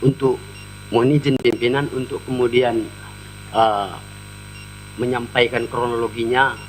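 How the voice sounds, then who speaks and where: A man's voice: mid-range voice, flat delivery, a little slow, a little hiss or hum, low-quality recording. A man, a lawyer, formally addressing a committee with many hesitations and a deferential tone.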